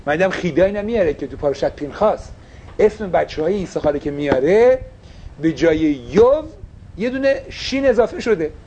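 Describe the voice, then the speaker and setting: A man's voice: on the high side, animated, warm tone, a little hiss or hum. A man teaching a casual religious class, asking his listeners questions and slipping English phrases into his talk.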